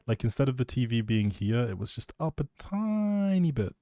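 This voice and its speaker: Male streamer, soft mellow tone, casual teasing ramble, close dry mic. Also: mid-range voice, big pitch swings, moderate pace, dry recording. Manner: playful, teasing, thinking aloud. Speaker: live streamer.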